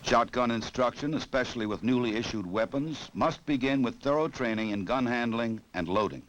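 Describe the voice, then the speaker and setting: An American man reading scripted 1960s training film narration in a formal, measured, authoritative way. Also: mid-range voice, a bit bright, muffled recording. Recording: noisy old film soundtrack.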